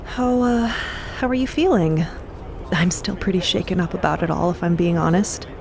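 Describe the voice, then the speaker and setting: A woman playing a soft-hearted, candid adventurer in an audio drama, with an informal, hesitant, earnest way of talking. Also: on the low side, moderate pace, creaky, background noise. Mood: tentative concern.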